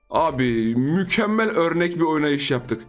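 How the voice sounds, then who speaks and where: A young man giving excitable, teasing gameplay commentary as a gaming YouTuber, laughing often. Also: fairly high pitch, slow pace.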